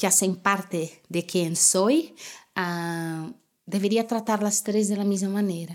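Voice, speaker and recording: On a very clean recording with a silent background, a woman with a Brazilian accent speaks very slowly at a medium pitch in a dark, mellow tone. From Brazil, Rio de Janeiro. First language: Portuguese (speaking Spanish). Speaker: photographer and artist. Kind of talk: casual chat.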